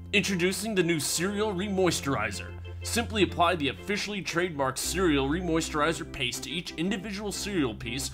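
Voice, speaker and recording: Man playing a folksy old-time radio announcer. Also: natural voice. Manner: folksy, enthusiastic pitchman. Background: music.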